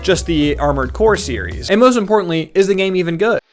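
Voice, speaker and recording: Higher-voiced young man reviewing games. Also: lively intonation, a little fast. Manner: slangy, informal. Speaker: video game reviewer. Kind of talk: casual scripted review narration. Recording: voice-over with music behind.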